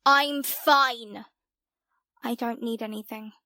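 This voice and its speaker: A woman's voice: on the high side, steady tone, slow pace, sharp tone, no echo, clean studio sound, heavily acted. A woman playing a proud, stubborn young twin sister in an audio drama, argumentative and defiant.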